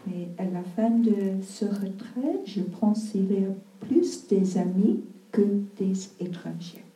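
A woman teaching at a mindfulness retreat as a Buddhist nun, speaking French as a second language. She talks slowly and hesitantly, pausing often and searching for words. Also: mid-range voice, warm tone. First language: not French. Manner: slow, hesitant, many pauses and searches for words. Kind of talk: dharma talk at a retreat. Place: retreat hall. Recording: roomy, distant mic.

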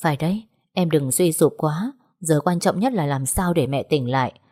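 A woman's voice: deep voice, expressive, moderate pace, warm tone. A woman voicing a caring young man who earnestly reassures his grieving partner in a storybook reading. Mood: reassuring.

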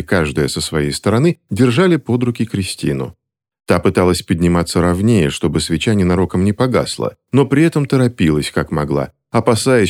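Deep voiced guy reading an audiobook, super lively up and down delivery. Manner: animated storyteller voicing each character. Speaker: audiobook narrator. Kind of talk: expressive audiobook narration.

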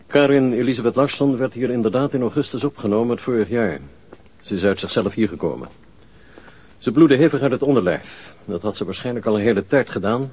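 Hospital doctor in a radio play, husky, matter of fact, formal and emphatic. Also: male voice, fairly low pitch, a little mellow. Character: frank, authoritative male hospital doctor. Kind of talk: radio drama acting.

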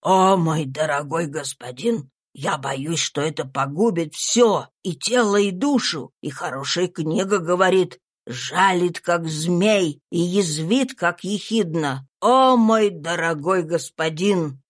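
A woman reading aloud, voicing a humble, devout old male servant who speaks slowly and sorrowfully. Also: lowish voice, slightly rough, no echo, studio quality. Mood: tearful imploring. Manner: slow, pleading, sorrowful.

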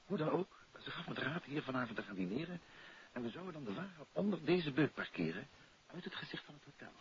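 A man's voice: a little high, big pitch swings, fast talker. A man acting as a suave, composed married detective in a 1950s Dutch radio drama, speaking in a polite, assured, conversational way with a Netherlands Dutch accent. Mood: confiding, pensive. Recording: dull vintage 1950s radio recording.

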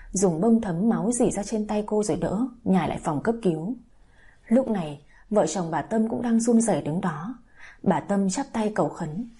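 Husky, dark-voiced woman narrator. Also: medium pitch. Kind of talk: scripted story narration.

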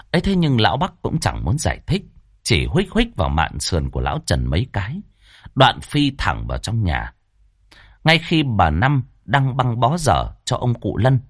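Man, ghost story narration, very animated pitch, dry studio sound. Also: no echo. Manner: expressive, rhythmic storytelling.

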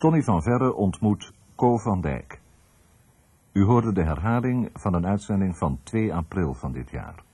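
A man's voice: sits low, lively intonation, a little slow, warm tone, breathy edge. A man reading a formal, scripted closing announcement as a radio announcer.

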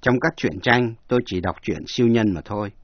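A man's voice: on the low side, fairly quick, no room sound, highs cut off. A man narrating an English lesson, explaining words and spelling them letter by letter. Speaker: language teacher.

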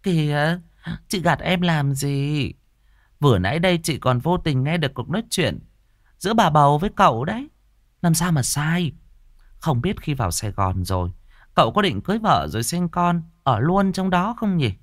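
A man voicing a sharp-tongued, spiteful young woman singer in a storybook reading, talking in a taunting, gossipy way. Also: a little high, big pitch swings, moderate pace, no room sound, studio quality, voice pushed up. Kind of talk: storybook narration with voiced characters.

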